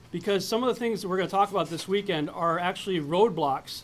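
A man talks loudly at a moderate pace with ordinary pitch variation. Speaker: speaker presenting on Bible cosmology. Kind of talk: lecture. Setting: live event with audience.

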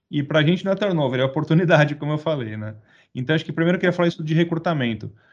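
A man talks very fast at a fairly high pitch, with ordinary pitch variation. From Brazil, São Paulo. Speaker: advertising agency CEO. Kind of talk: interview.

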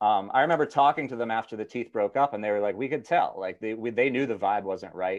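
Using a plain, everyday voice, a man speaks at medium pitch with ordinary pitch variation. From Pennsylvania, Kennett Square. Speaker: musician. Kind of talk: casual chat.

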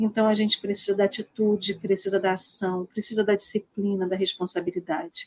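In a dry, close sound with no echo, a woman speaks at a fairly quick pace with hardly any pauses, her somewhat breathy, medium-pitched voice keeping fairly even intonation and very even loudness. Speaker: co-host, spiritist speaker. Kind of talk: casual talk on spiritist study, live stream. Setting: video call, live stream.

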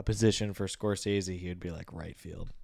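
Speaking in a plain, everyday voice, the man has a fairly low pitch, fairly even intonation and a moderate pace, in a very clean recording with a silent background. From Massachusetts, US. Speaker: film podcast co-host. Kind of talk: casual chat.

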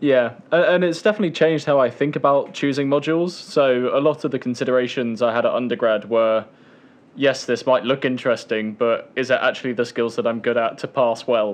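A man's ordinary speaking voice at medium pitch, with ordinary pitch variation and a fairly quick pace. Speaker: PhD student. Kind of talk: casual chat.

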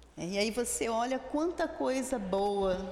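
Amid noticeable background noise and audible room echo, a woman speaks very slowly at a fairly high pitch with very wide pitch swings. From Piauí backlands, northeastern Brazil. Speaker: spiritist lecturer. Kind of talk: sermon.

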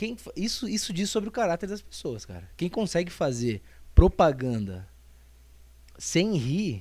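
A man talks slowly-ish in a high voice with a dark, mellow tone, very wide pitch swings and big swings in loudness, leaving long, frequent pauses. The recording is very clean, with a silent background. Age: 30s. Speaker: podcast host. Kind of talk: casual monologue. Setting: live stream. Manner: rambling, self-interrupting.

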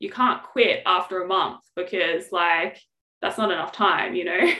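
A woman speaks at a moderate pace with an Australian accent. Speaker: podcast host. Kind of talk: casual chat.

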